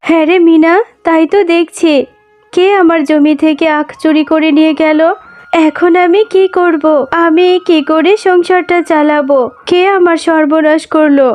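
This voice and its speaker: A woman voicing a gentle, anxious mother fox who sells sugarcane, in a plaintive, motherly cartoon manner. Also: very high-pitched, fairly even intonation, measured pace. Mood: distressed. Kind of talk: Bengali cartoon voice acting. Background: music.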